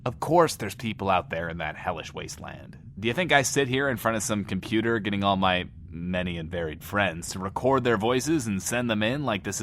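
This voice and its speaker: Male radio host role, played by an actor: theatrical, playful, mock-indignant, very lively pitch, audio drama patter over background noise. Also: natural voice. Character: cheeky theatrical post-apocalyptic radio show host, adult man.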